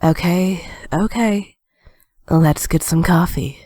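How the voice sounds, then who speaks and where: A cool, wry young female ninja played by a woman in an audio drama. She speaks low and slowly with a mellow, dark tone. The recording is dry. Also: no echo. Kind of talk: amateur audio drama acting.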